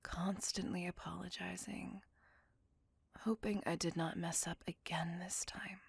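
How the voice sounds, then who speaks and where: A woman's voice: lowish voice, steady tone, a little slow, no echo, heavily acted. A woman whispering as a brooding vampire lover. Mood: brooding confessional. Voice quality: breathy, gravelly whisper. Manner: soft confessional whisper throughout. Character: brooding possessive female vampire lover, centuries old. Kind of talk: whispered ASMR roleplay.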